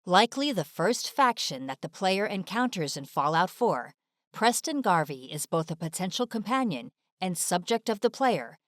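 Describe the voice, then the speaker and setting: Lively, polished female narrator. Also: fairly low pitch, moderate pace, no echo, studio quality. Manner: polished, presentational. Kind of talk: scripted video essay narration.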